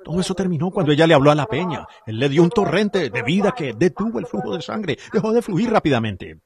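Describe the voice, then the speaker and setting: A man's voice: on the high side, big pitch swings, fast talker, a crowd in the background. A man preaching a sermon with fervor, calling out directly to the congregation.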